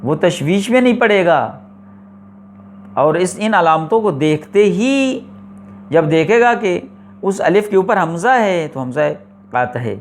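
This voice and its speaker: Slow-explaining male religion teacher. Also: high voice, expressive, slight background noise. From Pakistan. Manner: slow, deliberate explanation with repetition and rhetorical questions. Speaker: Quran recitation teacher. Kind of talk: religious classroom lecture.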